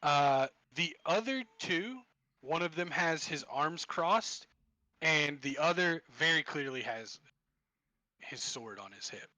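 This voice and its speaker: A man narrating a tabletop session as game master, laying out each scene piece by piece. His voice is a bit high and bright, and he talks slowly into a dry, close mic. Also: expressive, dry recording, rough recording. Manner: descriptive, piecing scenes together with restarts.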